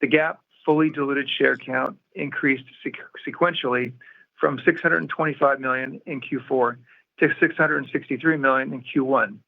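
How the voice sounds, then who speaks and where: A company executive on an earnings call reads a scripted financial report formally and matter-of-factly in a creaky, mid-range voice. The phone conference line sounds muffled and narrow-band.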